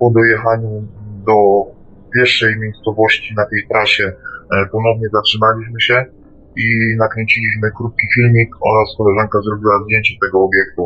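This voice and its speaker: A man speaks in a monotone, flat way with very even loudness against noticeable background noise. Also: fairly low pitch for a man, moderate pace. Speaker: UFO witness. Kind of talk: testimony. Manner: halting.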